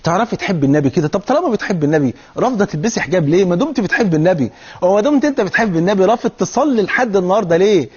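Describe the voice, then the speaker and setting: A man's voice: sits high, lively intonation, racing, slightly rough, dull audio. A man with an Egyptian Arabic accent delivering a televised religious sermon, speaking fervently and putting rhetorical questions straight to his viewers. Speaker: preacher.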